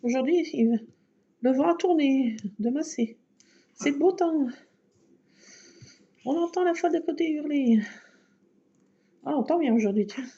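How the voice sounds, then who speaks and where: Gravelly-voiced chatty woman crafting. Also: sits high, measured pace, pauses often, dark tone. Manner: chatty, self-mocking, laughs often. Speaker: craft vlogger. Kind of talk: casual chat while crafting. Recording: dull lo-fi recording.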